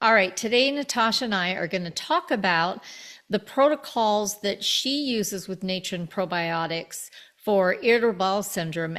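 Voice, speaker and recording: A woman with an ordinary speaking voice, at a moderate pace with ordinary pitch variation, in a very clean recording with a silent background. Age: 50s. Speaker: podcast host and health author. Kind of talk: interview conversation.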